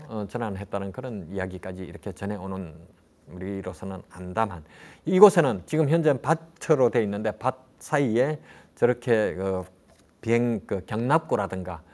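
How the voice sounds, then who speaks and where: A man's voice: lowish voice, a little mellow. A middle-aged man talking casually as a travel guide about local history, rambling with fillers and restarts and asking rhetorical questions. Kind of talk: conversational travel talk on history.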